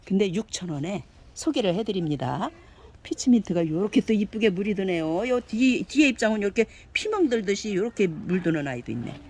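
A woman giving a cheerful live sales pitch for succulent plants, gushing and exclaiming over each one and chatting aloud to herself. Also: sing-song, fairly quick, dark tone, slight background noise. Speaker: succulent seller.

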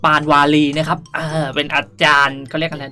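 A man's voice: fairly high pitch, little pitch movement, a little fast, sharp tone. A man hosting a casual game tutorial, chatting politely and often addressing his viewers. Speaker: video creator and host. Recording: music behind the voice. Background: music.

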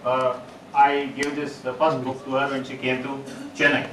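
A man's voice: mid-range voice, flat delivery. Indian man lecturing in an echoey hall. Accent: Indian English. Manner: halting, with frequent uh fillers and restarts. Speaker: psychologist giving a conference talk. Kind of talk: conference presentation. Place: large auditorium stage. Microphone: distant room mic, speaker standing on stage. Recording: echoey auditorium, far from mic, noisy.

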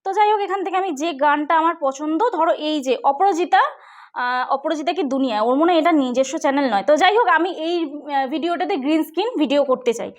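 A woman hosting a tech channel talks at a quick pace in a high-pitched voice, her West Bengal accent clear. It's a casual tutorial vlog, full of chatty explanations and check-ins with the audience.

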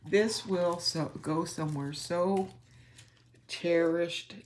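A woman hosting a craft channel, gushing warmly over gifts as she unboxes them, emotional and sometimes dropping to a whisper. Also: lowish voice, fairly even intonation, slow. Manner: gushing and tender, often drops to a whisper. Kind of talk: casual gift unboxing chat.

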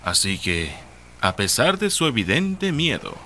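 Man, Latin American Spanish accent, horror story narrator, unhurried, faint background noise. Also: mid-range voice, sing-song, pushed and bright.

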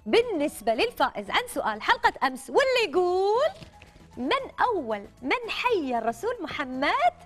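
High, lively Gulf Arabic woman hosting. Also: fairly quick, soft background music. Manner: prompts children with repeated short questions and phrases. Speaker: children's TV show host. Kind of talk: children's quiz show presenting. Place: colourful indoor TV studio children's set.

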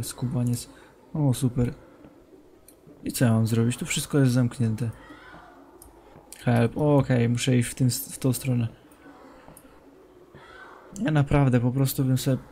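A man's voice: mid-range voice, vocal fry, a little mellow, slight background noise. A young man commentating a horror game as a streamer, joking, talking to the game's characters and dropping English phrases. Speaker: gaming streamer.

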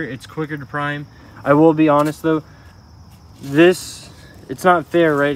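Wearing a body camera for a first-person view, a tool reviewer tests gear on a garden walkway by a tree in a casual demo vlog. His mid-range voice rambles along, full of "um"s, restarts and self-corrections, with faint insects and outdoor sounds behind it.

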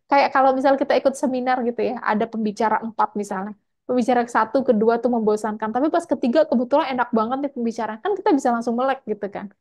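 With a voice on the high side and a darkish tone, a woman mentoring a scholarship applicant chats casually through her feedback on a video call following a mock interview, leaning often on tag words.

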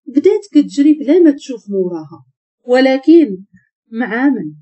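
A woman with a Moroccan accent narrating a dramatic story in a lively, expressive way. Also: on the high side, slightly rough. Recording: muffled lo-fi recording.

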